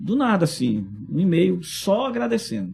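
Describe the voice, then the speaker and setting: A man speaks with lively intonation. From Pará, Brazil. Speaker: podcast host, radio broadcaster. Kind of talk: interview.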